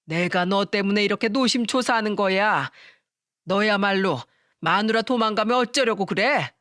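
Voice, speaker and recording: A woman's voice: medium pitch, moderate pace, fairly bright tone, no room sound, studio quality, natural voice. A woman putting on a scolding suspicious mother-in-law. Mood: accusing. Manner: scolding, accusing.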